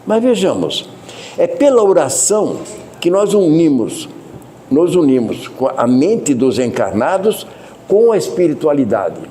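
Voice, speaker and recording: A Brazilian man giving a devotional talk at a spiritist center. He speaks in a loud voice that never softens and chats with the audience through asides and questions. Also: big pitch swings, unhurried, a little hiss or hum. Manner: loud, unchanging speaking voice that he cannot lower; conversational, addresses listeners with asides and questions. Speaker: spiritist lecturer. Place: spiritist center meeting hall.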